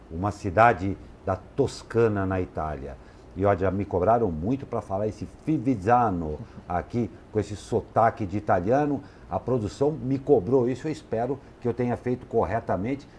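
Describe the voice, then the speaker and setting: A man's voice: lowish voice, darkish tone, slight background noise. A man presenting a regional news program, reading items and making casual asides to viewers. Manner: chatty, informal asides to viewers. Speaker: news anchor.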